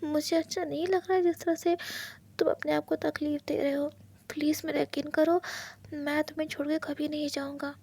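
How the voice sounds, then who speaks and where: A woman voicing a gentle, apologetic young husband in whispered role-play, soft and coaxing. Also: high-pitched, level tone, a little fast, gravelly. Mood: soothing.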